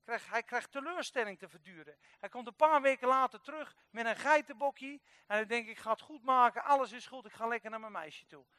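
A man preaching a sermon, telling a Bible story in a lively way and acting out the characters, with sudden jumps from quiet to loud. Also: very high-pitched, a little fast, hardly any pauses, no echo.

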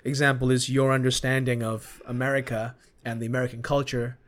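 A man's voice: mid-range voice, little pitch movement, brisk. Thoughtful man hosting a podcast. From Hong Kong. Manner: thoughtful, hedging, many restarts. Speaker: podcast host. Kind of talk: casual podcast conversation.

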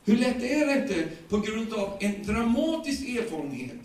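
A man with a Swedish accent preaching a sermon, retelling the story in lively everyday speech with many repeated words. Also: high-pitched, a little hiss or hum. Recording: echoey, distant room sound.

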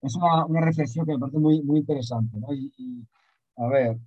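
A male discussion participant with a Spain Spanish accent poses a meandering, hesitant seminar question and keeps tacking on tag questions. His voice is husky, somewhat high, and a little fast. The recording is dry, lo-fi, and slightly dull.

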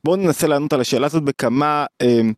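A man's voice: on the high side, no room sound, clean studio sound. A middle-aged man delivering a daily video lecture on psychology, emphatic and repeating phrases for stress.

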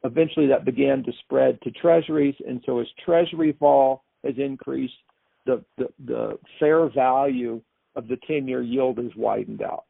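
Husky, gravelly man giving market commentary, phone-like. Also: mid-range voice, normal speed, no room sound. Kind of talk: unscripted financial commentary. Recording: thin phone-like line.

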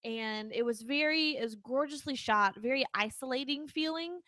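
Chatty woman with a brighter pitch. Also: normal speed, no echo. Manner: chatty, swears casually, playful teasing. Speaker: podcast co-host. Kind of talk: casual movie chat.

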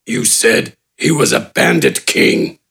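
A narrator voicing a hulking male brute who is gruff, blunt and easily irritated. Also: medium pitch, huge pitch swings, slow pace, a bit bright, pitched below the performer's own voice, heavily acted. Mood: grumbling.

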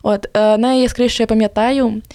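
A woman's voice: a little high, quick pace, dry recording. A teenage girl from Ukraine, a podcast guest chatting casually and telling stories with lots of fillers. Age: teens. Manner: chatty, lively storytelling with many fillers.

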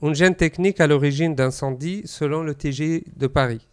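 Smooth-voiced young man reading news. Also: a little high, moderate pace. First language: Arabic. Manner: reads with hesitations and fillers. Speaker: news segment presenter. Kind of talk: reading a news item on air.

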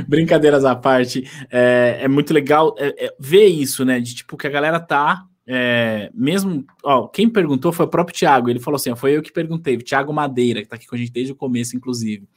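A man's voice: medium pitch, fairly quick, hardly any pauses. A man hosting a casual live chat, reading viewer questions in a rambling, joking way. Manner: rambling, joking, many fillers and restarts.

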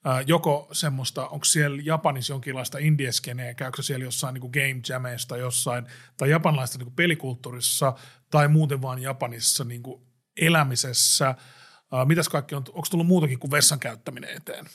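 A man's voice: mid-range voice, fairly even intonation, a bit bright. Hesitant man asking questions. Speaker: podcast host asking questions. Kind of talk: casual chat.

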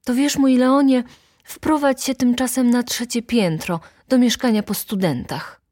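A woman's voice: fairly high pitch, measured pace, darkish tone, no room sound, studio quality, voice pushed up. A woman voicing an anxious, flustered noble lady who speaks in a feverish, pleading way. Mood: agitated.

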